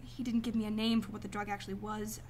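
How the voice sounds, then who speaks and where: A woman's voice: medium pitch, flat delivery, quick pace, a little mellow, a little hiss or hum, close to an everyday voice. A woman playing a guarded, determined client in a sci-fi radio drama, speaking earnestly, firmly and formally. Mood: grave. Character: determined, guarded female client seeking her brother's killer. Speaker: actress in a radio play.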